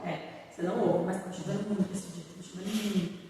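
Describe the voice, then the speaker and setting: A woman teacher chatting in an interview, a lively storyteller who laughs easily. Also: on the low side, fast, a little hiss or hum. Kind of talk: casual interview chat. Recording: echoey room from far off.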